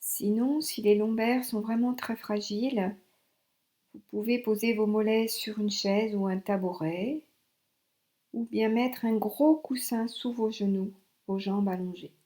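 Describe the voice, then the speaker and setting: A woman instructor leading a guided yoga relaxation in short instructional phrases with pauses. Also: mid-range voice, fairly even intonation, warm tone.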